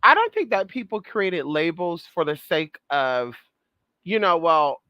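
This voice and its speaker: A woman's voice: fairly low pitch, sing-song, unhurried, no echo, highs cut off. A trans woman vlogging in a sassy, profane monologue, calling listeners girl, honey and baby and repeating phrases for emphasis. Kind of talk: casual monologue rant.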